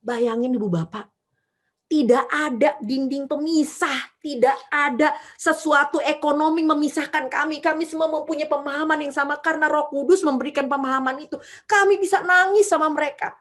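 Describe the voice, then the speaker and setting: A woman's voice: sits high, fairly even intonation, moderate pace, fairly bright tone. A middle-aged woman preaching a revival testimony sermon, emotional and speaking straight to the congregation. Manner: emotional, shifts into quoted voices, addresses the audience directly.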